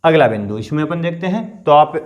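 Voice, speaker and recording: A male coaching teacher with a sore throat, clearing his throat as he explains a lesson slowly and repeats the figures. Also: a little high, sing-song. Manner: explains slowly, repeats figures, keeps asking "theek hai na".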